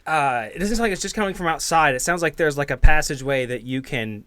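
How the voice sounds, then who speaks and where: A man with a fairly high voice acts as game master on a tabletop podcast. He improvises his narration, often hedging and starting over as he builds the scene. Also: pushed and bright, clean tone. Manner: halting, hedging delivery.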